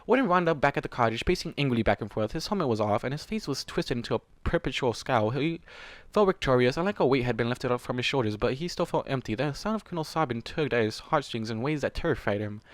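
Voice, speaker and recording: A man with a mid-pitched voice reads fan fiction aloud in a close, dry recording. He narrates dramatically and slips into casual, sweary commentary, clearly invested in what happens. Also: animated, quick pace, hardly any pauses, no echo. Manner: emotionally invested, exasperated asides. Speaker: fan fiction reader and channel host. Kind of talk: dramatic story reading with casual profane reactions.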